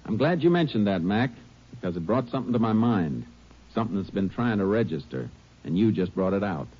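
Muffled vintage radio: laconic ranger, low-voiced, steady, shrewd investigator. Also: male voice, a little fast. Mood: pressing, accusing. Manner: laconic, matter-of-fact. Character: calm, shrewd, persistent Texas Ranger investigator. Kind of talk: 1950s radio drama acting. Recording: muffled old radio recording.

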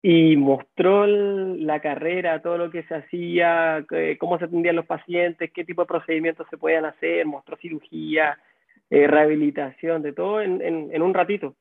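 Gravelly Chilean man on a tinny line. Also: a little high, fairly even intonation, normal speed, no echo. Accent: Chilean Spanish. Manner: laid-back, chuckles while recounting. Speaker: dentist guest. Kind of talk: casual interview storytelling. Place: home or office in a high-rise, indoors. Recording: dry, tinny phone-like call audio.

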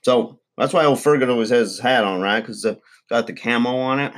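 A man's voice: mid-range voice, brisk, a bit bright, natural voice. A man playing a crude, boastful middle-aged redneck uncle, rambling folksy advice in a comedy monologue.

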